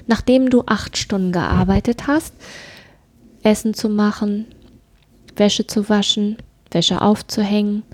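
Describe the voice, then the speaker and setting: A middle-aged woman co-hosting a podcast talks emphatically in casual discussion, repeating phrases and tossing out rhetorical questions. Her voice is fairly high and mellow, recorded with no echo.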